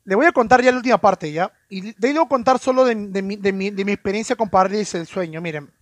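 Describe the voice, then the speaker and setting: A man's voice: sits high, fast, no echo. A man telling a story casually on a live stream, stammering and repeating words as he goes.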